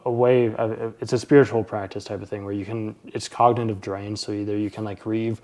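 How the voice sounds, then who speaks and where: A man's voice: on the low side, flat delivery, fairly quick, darkish tone. A man hosting a casual podcast conversation, talking in a reflective way.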